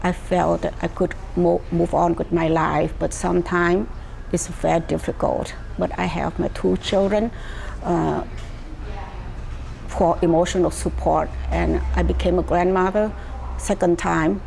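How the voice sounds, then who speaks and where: An older woman from Vietnam with a Vietnamese accent, telling her life story slowly, with many pauses and fillers. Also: lowish voice, steady tone, creaky, darkish tone, slight background noise, poor audio. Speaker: interviewee.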